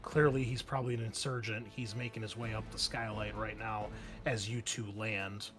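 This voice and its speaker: A man's voice: fairly low pitch, little pitch movement, moderate pace, music in the background. A man working as game master, narrating and refereeing a tabletop roleplaying game in a casual way.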